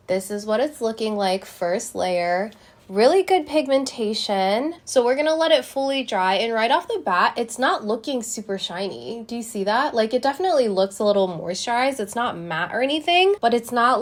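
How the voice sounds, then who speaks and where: A young woman talks casually to her viewers while trying on lipstick, explaining each step as she goes. Her voice is a little congested from a recent cold. She is recorded close to the camera in a small room. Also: on the high side. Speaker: beauty vlogger. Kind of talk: casual product review.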